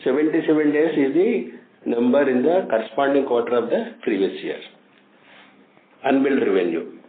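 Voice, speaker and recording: A man's voice: medium pitch, lively intonation, normal speed. A man with an Indian accent formally reading out financial figures as an executive on a company earnings call, now and then stumbling over numbers. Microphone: phone conference line. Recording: tinny phone line, echoey, faint noise.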